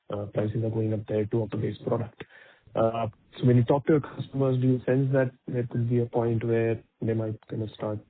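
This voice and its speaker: A man's voice: mid-range voice, husky. A man asking questions as an analyst on an earnings call, in hesitant, tentative phrases. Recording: narrow, tinny phone line.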